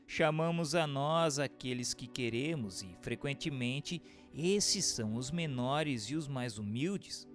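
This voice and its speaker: A man's voice: medium pitch, animated, takes it slowly, few pauses. A man with a Brazilian accent reading scripted narration in a formal, didactic way. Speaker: narrator and questioner. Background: music.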